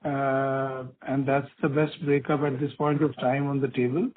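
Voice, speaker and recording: A man's voice: mid-range voice, flat delivery, measured pace, slight background noise. A man explaining projections as a company executive on a conference call. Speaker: company executive answering analysts. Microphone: phone conference call. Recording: tinny narrowband phone line.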